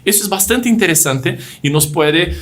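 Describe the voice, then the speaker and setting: A man's voice: on the high side, expressive, normal speed, a bit bright. Non-native Spanish-speaking man explaining doctrine. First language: not Spanish. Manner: explains with examples and acted-out quotes, frequent restarts. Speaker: podcast co-host. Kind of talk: religious podcast discussion.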